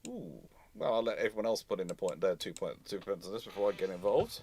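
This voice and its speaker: A man's voice: deep voice, expressive, quick pace, noisy background. A man hosting an unscripted history discussion, thinking aloud and often rephrasing as he answers questions. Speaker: host answering audience questions.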